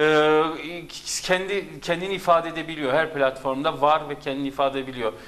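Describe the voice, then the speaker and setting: A man speaks in a plain, everyday voice at a fairly high pitch. His pace is moderate and his intonation fairly even. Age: 40s. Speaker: TV presenter; TV interviewer host. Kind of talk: political interview. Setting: studio. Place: studio. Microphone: lapel.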